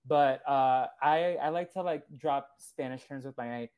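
A man's voice: mid-range voice, a little slow, a little mellow, smooth. A young man hosting a podcast interview, enthusiastic and chatty, filling with "like" and "uh", Portuguese his first language. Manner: enthusiastic, lots of fillers like "like" and "uh". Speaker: podcast host. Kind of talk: casual interview chat.

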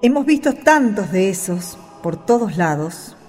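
A woman's voice: mid-range voice, big pitch swings, measured pace, a little mellow, faint music behind. An Argentine woman playing a modest disciple who reminisces about her teacher in an amateur radio play. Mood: modest, reminiscing. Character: modest female disciple fondly recalling her master's teachings.

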